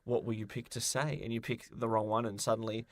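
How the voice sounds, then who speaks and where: An Australian man co-hosting a podcast, chatting casually about games in a jokey, animated way. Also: medium pitch, fast talker, no room sound. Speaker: podcast co-host. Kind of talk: casual gaming chat.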